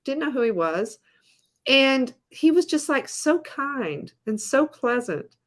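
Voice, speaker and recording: Rambling, higher-voiced woman. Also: very animated, slow. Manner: rambling storyteller with many fillers and restarts. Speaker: guest. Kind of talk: casual interview chat.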